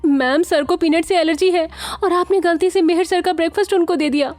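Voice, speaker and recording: A woman voicing a young maid who speaks in a hurried, pleading way. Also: very high voice, darkish tone, dry recording, faint music behind, voice pushed up. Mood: urgent. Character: urgent young female maid.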